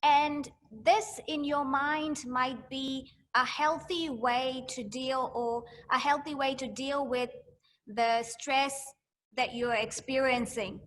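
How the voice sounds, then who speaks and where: A woman's voice: high-pitched, steady tone, slow, a bit bright. A woman giving an educational talk to students, repeating phrases to drive home her points. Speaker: mental health educator.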